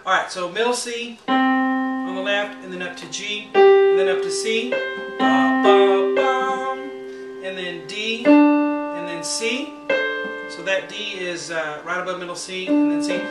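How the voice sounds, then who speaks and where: A man with a high voice teaching a piano part step by step, patiently counting the beats and humming the notes. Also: measured pace, far from the mic. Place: room with a piano. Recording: roomy, from off the mic, loud piano.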